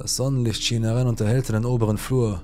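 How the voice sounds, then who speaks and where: Fairly even intonation at a fairly quick pace, with music in the background. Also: man. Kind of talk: scripted narration of a ghost story. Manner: measured, suspenseful storytelling.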